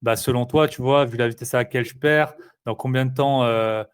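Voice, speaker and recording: A man speaks in an easygoing, conversational way, pausing often on fillers as he thinks out loud. His delivery is loose and unhurried, like talking with a friend. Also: mid-range voice, clean tone. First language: French. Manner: rambling, filler-heavy, relaxed. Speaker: interviewee, investor. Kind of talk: casual conversational chat.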